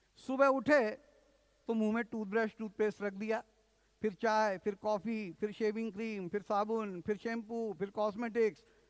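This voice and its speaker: This man's voice sits at a high pitch. His intonation is fairly even. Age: 70s. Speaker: motivational speaker and industrialist. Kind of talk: workshop talk. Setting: stage with audience.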